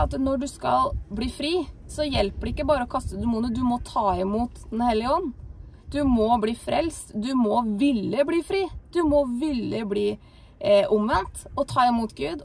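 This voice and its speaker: A woman co-hosts a faith talk and tells her testimony with lots of fillers and energy. Her voice is fairly high and gravelly, with a husky edge, and it is picked up from a distance. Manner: animated storytelling, many fillers. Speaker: co-host. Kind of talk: telling a personal faith testimony.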